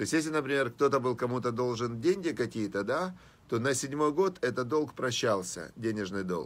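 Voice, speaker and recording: Here a man speaks with ordinary pitch variation. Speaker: religious text teacher. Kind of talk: lecture. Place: home room. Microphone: phone near.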